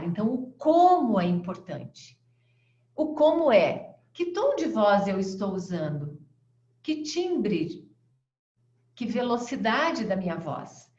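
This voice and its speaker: A woman with a Brazilian accent teaching an online class, acting out fast, slow and melodic ways of speaking as examples. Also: sing-song, a little mellow. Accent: Brazilian Portuguese. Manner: demonstrates voice tones, shifting pace and pitch. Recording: echoey, dull lo-fi sound.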